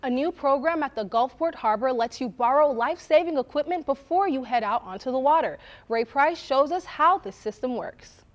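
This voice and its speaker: A woman's voice: high-pitched, lively intonation, moderate pace, few pauses. A woman reading scripted local news as an anchor at a studio desk.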